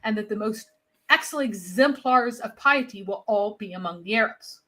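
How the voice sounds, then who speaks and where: A woman's voice: medium pitch, sharp tone. A woman co-hosting a commentary chat, speaking in an emphatic, argumentative way. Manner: emphatic, quick to argue. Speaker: co-host.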